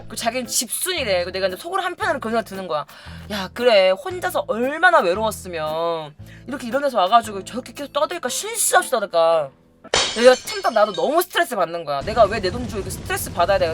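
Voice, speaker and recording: A YouTube storyteller with a medium-pitched, slightly bright voice casually tells her viewers a funny story. She acts out other people's lines and laughs often.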